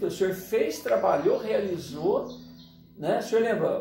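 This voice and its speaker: A man talks at a moderate pace, with audible room echo and music in the background. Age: 60s. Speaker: spiritist medium session host. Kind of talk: casual chat. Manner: halting.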